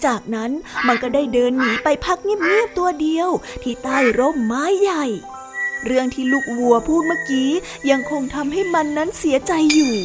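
High-voiced woman telling children's stories. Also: animated, moderate pace. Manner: gentle, polite, talks to kids. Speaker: storyteller for children. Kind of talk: children's story narration. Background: background music.

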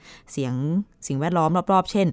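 A woman co-host telling a science news story in a relaxed, chatty radio conversation, with playful asides. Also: fast talker, no echo, clean studio sound. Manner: chatty, explains with playful asides and pitch swoops.

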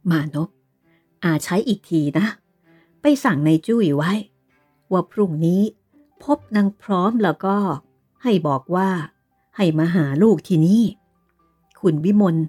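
A woman's voice: lowish voice, unhurried, pauses often, warm tone, soft background music. A woman voicing a stern, commanding aristocratic aunt who gives orders and reproaches in a dramatized novel reading. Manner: authoritative, giving orders and reproaches. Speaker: reader voicing a character.

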